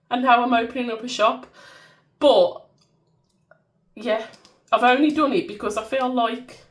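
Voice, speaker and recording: Female, Black Country accent, highish voice, stuffy with a cold and nasal; informal, chatty product walkthrough. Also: steady tone, a little slow, pauses often. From Black Country, England. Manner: informal, self-deprecating, given to singing bits. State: bunged up with a cold. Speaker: small-business content creator showing her products.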